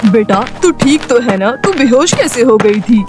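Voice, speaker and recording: An earnest middle-aged father from a cartoon family tale, voiced by a woman. The voice is fairly high and caring, with faint music behind it. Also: animated, a little slow. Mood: worried, confused. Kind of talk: animated moral story voice acting.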